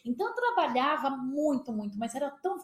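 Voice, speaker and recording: A woman in her fifties from Brazil, a podcast guest telling her story in a lively, animated way. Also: high voice, a little fast. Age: 50s. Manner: lively, animated retelling with quoted dialogue. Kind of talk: casual storytelling interview. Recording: echoey room.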